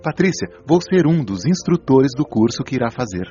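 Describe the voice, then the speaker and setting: A man's voice: mid-range voice, big pitch swings, normal speed, warm tone, highs cut off, soft background music, close to an everyday voice. A man playing a benevolent, enthusiastic spirit teacher in an audio drama. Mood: benevolent, encouraging. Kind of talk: audiobook radio drama dialogue.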